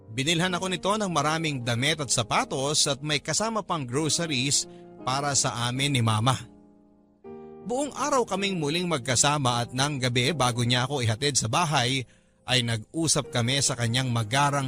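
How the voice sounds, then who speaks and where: A man narrating a scripted first-person love story as a radio drama narrator, with measured, dramatic storytelling. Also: mid-range voice, pushed and bright.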